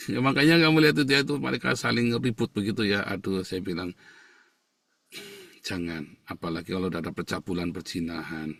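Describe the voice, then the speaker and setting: Man, pastor, sermon, gravelly voice, dry room, a bit off-mic. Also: sits low, steady tone, a little fast, no echo, distant mic. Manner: emphatic preaching, swinging from loud scolding to soft hushed tones.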